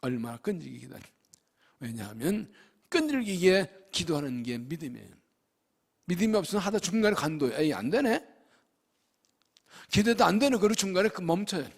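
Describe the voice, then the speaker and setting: A man preaching a sermon as pastor, with sudden loud rises and soft drops, acting out pleading prayers. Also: high-pitched, expressive, brisk, vocal fry. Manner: acts out prayers and quotes in a pleading voice. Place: church sanctuary. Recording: long reverb of a church hall.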